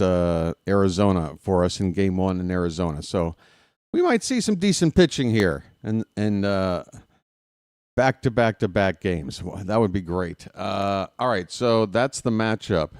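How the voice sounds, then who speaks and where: Congested guy rambling about his team, lowish smooth voice, dry close sound, lots of uhs. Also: dry recording. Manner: chatty, relaxed, many "uh" fillers. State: stuffy, congested sinuses. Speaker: baseball stream host. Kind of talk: casual pregame commentary.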